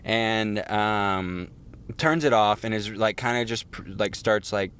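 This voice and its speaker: A man's voice: on the low side, unhurried, fairly bright tone, clean tone. A young man co-hosting a podcast, telling stories casually in a self-mocking, digressive way with some swearing. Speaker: podcast co-host. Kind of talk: casual chat, rambling storytelling.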